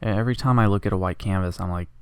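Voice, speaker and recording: Man, congested, rambling and jokey, casual art vlog narration, low-ish pitch, dry recording. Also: racing, clean tone, dry recording. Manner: rambling, jokey, self-deprecating. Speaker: art vlogger.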